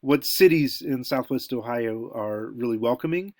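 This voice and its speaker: A man's voice: mid-range voice, normal speed. An American man lectures in a loose, conversational manner, thinking aloud and wandering into asides. His voice sits in an ordinary middle range. The recording is dry, with no room echo. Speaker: college lecturer.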